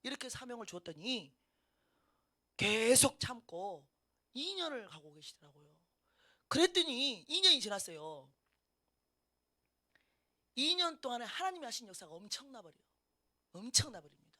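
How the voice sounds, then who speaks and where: A middle-aged woman pastor preaching a sermon, swinging between loud emphatic lines and hushed ones, and acting out the voices she quotes. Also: on the high side, big pitch swings, a little slow, pauses often. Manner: emphatic preaching with sudden loud outbursts and drops to a hush; acts out quoted voices and laughs at her own stories.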